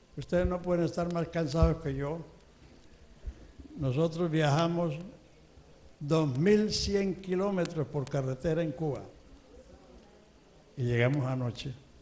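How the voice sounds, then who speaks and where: Amid audible room echo, a man with a fairly high voice speaks fairly slowly with ordinary pitch variation and long, frequent pauses. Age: 80s+. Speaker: preacher. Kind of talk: Sunday school Bible teaching. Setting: church.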